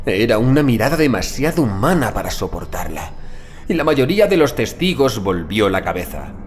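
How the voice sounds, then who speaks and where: A man narrating a scripted first-person horror story in a measured, deliberate literary manner. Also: medium pitch, sing-song, soft background music. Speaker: audiobook narrator.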